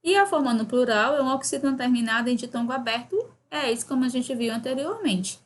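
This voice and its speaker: A woman's voice: high voice, fast talker. A woman with a Brazilian Portuguese accent, teaching a seventh-grade grammar lesson, reading exercises aloud and checking in with frequent "né?" tags.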